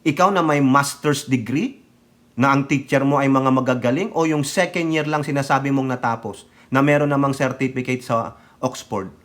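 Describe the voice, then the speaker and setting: A man's voice: mid-range voice, normal speed, fairly bright tone. A Filipino-accented man in his fifties giving mocking, laughing political commentary in a casual vlog, switching languages and swearing. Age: 50s.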